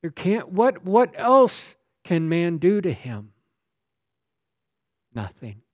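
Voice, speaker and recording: A male preacher delivers a sermon in a slow, deliberate way, with a slightly high voice for a man. His delivery is dramatic and emphatic, and he presses his points with rhetorical questions. The recording sounds dull and lo-fi, with a dry, close sound. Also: sing-song, no room sound.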